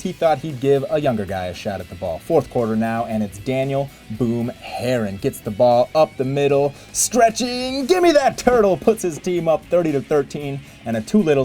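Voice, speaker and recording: A man reading a scripted sports highlights voice-over in a playful, wry manner with theatrical emphasis. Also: animated, moderate pace, hardly any pauses, warm tone. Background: music bed.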